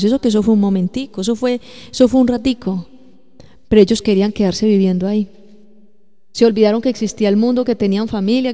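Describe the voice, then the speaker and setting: Woman preacher, animated sermon with questions to the congregation, church echo. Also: mid-range voice. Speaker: pastor.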